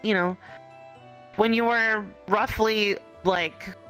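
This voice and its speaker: A game master improvising second-person roleplay narration in a conversational, halting way. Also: mid-range voice, fairly even intonation, bright, forceful tone, soft background music, poor audio. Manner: conversational, halting storytelling with hedges.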